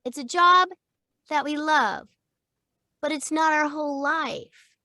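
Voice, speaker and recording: An older woman, a voice actor, chatting about her work in an animated, laughing way from a recording booth. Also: high-pitched, takes it slowly, dry recording, clean studio sound. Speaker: voice actor guest. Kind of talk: casual interview chat. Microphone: studio microphone.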